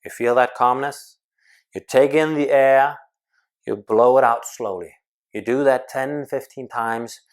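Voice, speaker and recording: Energetic man coaching on speaking. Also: mid-range voice, a little slow. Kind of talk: advice talk to camera.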